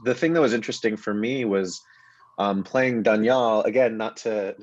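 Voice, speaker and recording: A man speaking as a guest actor in a casual panel conversation, reflective and halting as he searches for his words. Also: lowish voice, darkish tone, dry recording. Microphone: video call. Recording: dull, lo-fi video call audio.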